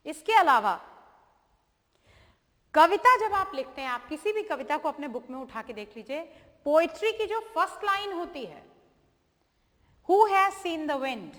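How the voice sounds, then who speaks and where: A woman teaching grammar in a video lesson, explaining patiently and reading examples slowly with exaggerated intonation. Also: high voice, sing-song, sharp tone. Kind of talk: classroom-style video lesson. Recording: long hall reverb.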